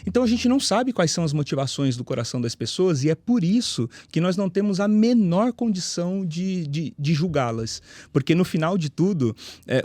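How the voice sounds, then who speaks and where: A Brazilian man talks as a pastor on a podcast. His voice sits a little high and sounds mellow and dark. He tells stories and acts out the voices of the people in them, in a close, dry recording. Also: no echo. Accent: Brazilian Portuguese. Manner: storytelling, acts out quoted voices, rises in emphasis. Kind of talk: podcast conversation, preaching.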